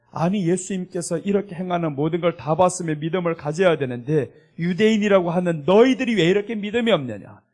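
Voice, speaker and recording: A man preaching a sermon at a Korean church, his voice sitting a little on the high side. He delivers it emphatically and acts out the scripture quotes in small voiced asides as he explains them. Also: darkish tone. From South Korea. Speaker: pastor.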